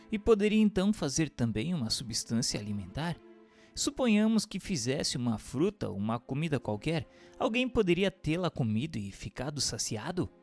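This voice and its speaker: A man giving a formal, declamatory scripted reading as a narrator, in a question-and-answer style. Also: medium pitch. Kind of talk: scripted dramatized reading of a spiritist book.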